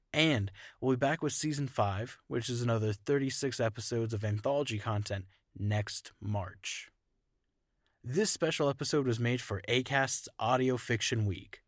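A man hosting and narrating a podcast, reading scripted material in a measured, clearly enunciated way. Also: medium pitch, no echo, clean studio sound. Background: music.

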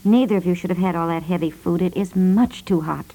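An actress playing a sensible, gently scolding wife in a 1950s radio comedy, composed and motherly in manner. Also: lowish voice, a little fast, rough recording. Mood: soothing.

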